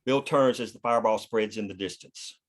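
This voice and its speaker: A man's voice: on the low side, a little fast. A man reading stage directions as the narrator of a screenplay, in scripted narration.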